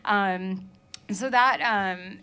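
A woman's voice: medium pitch, drawn-out words, pushed and bright, smooth. A young adult woman from Maine, a musician chatting casually in an interview, laughing often and filling her talk with "like" and "um". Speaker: musician guest.

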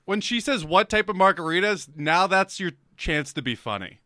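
A man's voice: high voice, expressive, moderate pace, bright, forceful tone, dry recording, clean studio sound. A man on a casual comedy podcast, teasing a friend and reading out text messages in mock voices.

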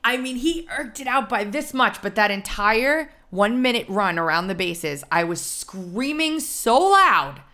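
A woman hosting a podcast, her voice hoarse and scratchy, telling stories in a lively, animated way. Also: on the high side, measured pace, few pauses. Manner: animated storyteller. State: hoarse from screaming. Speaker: podcast host. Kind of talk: casual chat.

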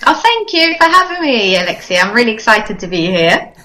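A woman's voice: fairly high pitch, big pitch swings, fairly quick, pushed and bright. A woman in her forties from Sweden, a podcast guest telling her story candidly in a casual interview. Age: 40s.

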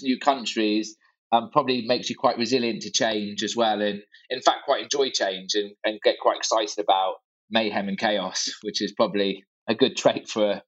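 Low-voiced male guest over a dull line. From born in Hong Kong, raised abroad. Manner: self-deprecating, dry humor, hesitant fillers. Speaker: guest, startup founder. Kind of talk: conversational interview.

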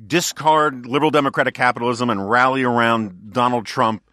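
A man's voice: medium pitch, fairly even intonation, a little fast, bright, forceful tone, no echo, clean studio sound. A male podcast host in casual political chat, talking in a wry, joking, digressive way.

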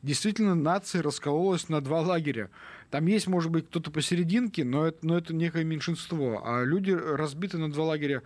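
Man correspondent on radio, halting speech, dry studio sound. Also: fairly high pitch, darkish tone, no room sound. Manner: hesitant, many fillers and restarts. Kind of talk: casual radio conversation.

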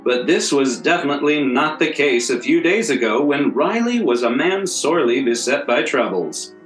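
A man's voice: medium pitch, animated, moderate pace. A man announcing and narrating in scripted old-time radio style. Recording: echoey room with music behind.

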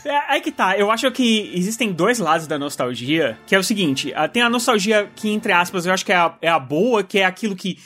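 Man, Brazilian Portuguese accent, high-pitched voice, casual film talk, explanatory, informal. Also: very animated, brisk, hardly any pauses, sharp tone, soft background music. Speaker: podcast panelist. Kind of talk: casual discussion of films.

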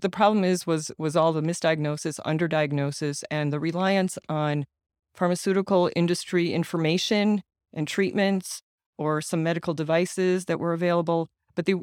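A middle-aged man whose first language is Ukrainian talks earnestly through his answers, restarting sentences as he goes. His voice sits a little high for a man. The sound is dry and close. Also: smooth, dry recording. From United States, Ukrainian American family. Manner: earnest, explanatory, frequent restarts. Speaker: guest, patient advocate and author. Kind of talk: interview answers.

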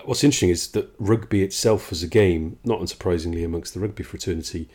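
Low-voiced male interviewer, hesitant. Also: fast talker, darkish tone. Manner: reflective, hesitant, with repetitions. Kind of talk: conversational interview.

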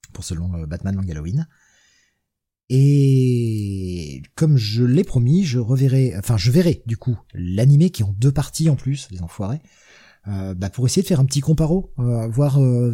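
A man's voice: mid-range voice, mellow, breathy edge. A man hosting a casual comics podcast, swearing freely and laughing at his own jokes. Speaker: podcast host. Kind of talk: casual chat.

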